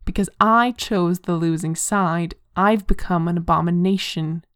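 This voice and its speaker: A woman's voice: lowish voice, unhurried, fairly bright tone, smooth, no room sound, clean studio sound. A woman voicing a sneering, vengeful male demon in an audio story, scornful and commanding. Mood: sneering, bitter.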